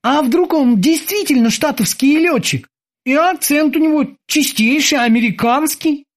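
A reader doing a high, cautious boatswain. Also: measured pace. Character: cautious young male boatswain.

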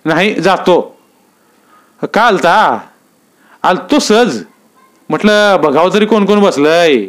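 A man's voice: sits high, lively intonation, takes it slowly, voice pushed up. A man voicing worried village men. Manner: worried, rustic village speech. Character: anxious rural village men talking.

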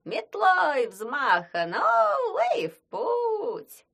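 A woman voicing a boastful, fawning old witch with a husky, wailing voice. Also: sits high, wildly swooping pitch, very slow, fairly bright tone, heavily acted. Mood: cackling. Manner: wailing, sing-song exclamations.

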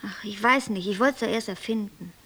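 An actress playing a capricious, self-absorbed white angel who creates worlds, airy, flippant and lecturing, in a German radio play. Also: female voice, mid-range voice, brisk, a bit bright, slightly rough. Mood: boastful, flighty.

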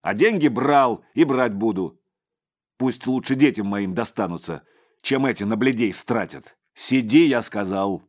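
A man voicing a gruff male policeman in his forties who growls and barks short orders. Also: sits low, lively intonation, unhurried, a little mellow. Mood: angry.

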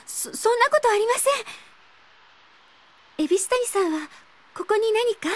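A woman's voice: very high-pitched, lively intonation, a little slow. A woman playing a shy, timid teenage schoolgirl in an audio drama, polite and hesitant. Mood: shy, flustered. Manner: hesitant, softly formal, apologetic. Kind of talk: Japanese audio drama acting.

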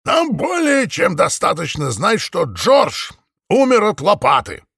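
A man's voice: a little high, wildly swooping pitch, a little slow, creaky, a bit bright, slightly rough, no echo, studio quality, exaggerated voice. A man voicing Sir Ritchfield, a stern older ram who drawls and lectures the flock, in a raised voice. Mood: lecturing. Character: stern pompous old ram.

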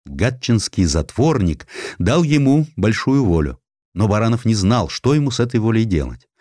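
A man reads historical prose in a low voice with very lively intonation. He tells it theatrically, as a scripted audiobook narrator, in a dry, close recording. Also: normal speed, no room sound. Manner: theatrical storytelling, acting out quotes.

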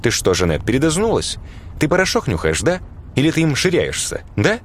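Guy voicing a rough loud mom, swearing nonstop, voice jumping all over. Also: huge pitch swings, a little fast, slight background noise. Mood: scolding. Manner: shrill scolding, foul-mouthed. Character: coarse angry working-class mother, middle-aged.

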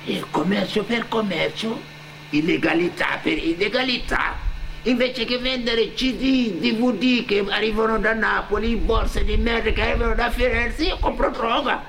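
An actor playing a defiant young immigrant drug dealer in a colloquial theatrical monologue, swearing and throwing out pointed questions. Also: male voice, sits high, normal speed, gravelly, a bit bright. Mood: matter-of-fact, defiant. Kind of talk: theatrical first-person monologue.

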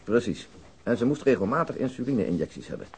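An actor playing a police detective in a Dutch radio crime drama, explaining a case in a matter-of-fact way with dry asides. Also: male voice, on the low side, sing-song, fast talker, darkish tone, slight background noise. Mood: matter-of-fact, grave. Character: male police detective briefing colleagues on an old case.

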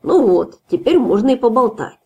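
A drunken, swaggering male guard with a slurred, taunting way of speaking, as a woman reads him aloud. The voice has a gravelly, husky edge. He boasts and jeers from an audiobook fairy tale. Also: a little high, big pitch swings, moderate pace, dark tone, highs cut off, voice pushed up, full character voice.

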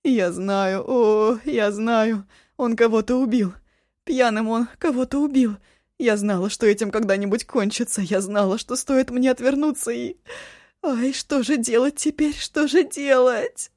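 A hot-tempered young woman, voiced by a female reader, talks harshly and breaks into shrill, sobbing cries. Her voice is low and mellow, recorded dry and close. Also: moderate pace, no room sound, lightly acted. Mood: hysterical. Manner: fierce and sobbing, shrill outbursts. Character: young woman Ashun, proud, volatile and hysterical.

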